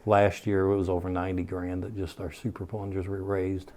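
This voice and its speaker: A man's voice: low voice, little pitch movement, fairly quick, a little mellow. A man giving casual interview answers in a plain-spoken, matter-of-fact way. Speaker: interview guest, charity plunge participant.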